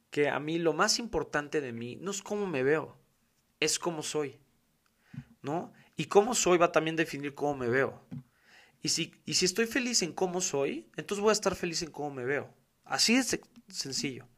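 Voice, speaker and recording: A man with a Mexican accent talks through a casual podcast monologue. His voice sits a little higher than most men's, and his delivery is emphatic and full of slang as he keeps circling back to the same points. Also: expressive, normal speed, fairly bright tone. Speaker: podcast host.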